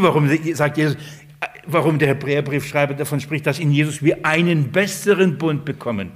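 A man with a fairly high voice delivers a sermon in a conversational tone. He drives points home by repeating key words and putting rhetorical questions to his listeners. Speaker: pastor.

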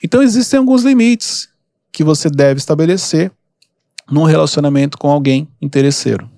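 A calm, easygoing man with a Brazilian Portuguese accent talks through advice on his podcast, patient and explanatory. His voice sits a little on the high side. The sound is dry and close, with no room echo. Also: a little fast, gravelly. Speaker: podcast host and mentor. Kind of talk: casual advice podcast talk.

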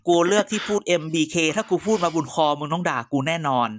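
A woman chatting casually with friends on a podcast, blunt and teasing, quick to argue back. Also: lowish voice. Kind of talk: casual chat among friends.

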